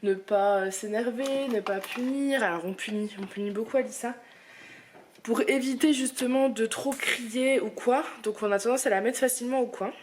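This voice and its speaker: A woman's voice: a little high, normal speed, slight background noise. A young mother chatting casually to the camera at home in a family vlog, talking through her day and switching to a sing-song voice for her toddler.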